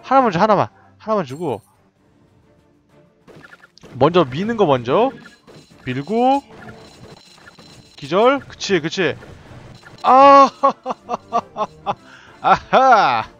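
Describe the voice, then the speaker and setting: Guy streaming a defense game, chatty and excited, pitch jumps all over, music underneath. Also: a little slow, long pauses, husky, highs cut off. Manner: excited running commentary with frequent laughs. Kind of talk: live gameplay commentary.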